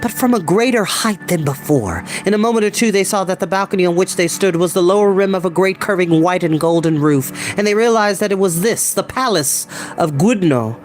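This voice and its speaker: An expressive, theatrical storytelling host who reads books aloud and chats casually in between. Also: medium pitch, brisk, a little hiss or hum. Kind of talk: animated storybook reading with chatty asides. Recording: background ambient music. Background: ambient music.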